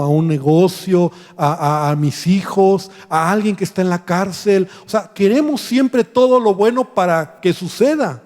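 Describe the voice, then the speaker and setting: A man's voice: high-pitched, a little mellow. A man preaching a sermon as pastor, emphatic and acting out prayers in his own voice. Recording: long church reverb.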